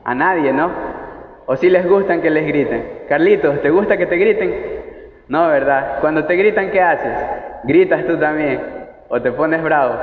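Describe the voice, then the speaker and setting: Man preaching in an echoey hall. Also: high-pitched. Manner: conversational, asks the congregation questions. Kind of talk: sermon. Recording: echoey hall, tinny phone-like sound.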